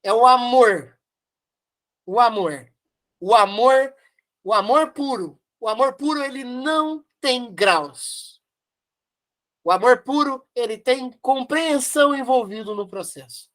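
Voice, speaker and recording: Her voice runs high with a fairly bright tone as she leads a Spiritist study, commenting devotionally in Brazilian-accented Portuguese. Emphasis, repeated phrases, and rhetorical questions mark her delivery.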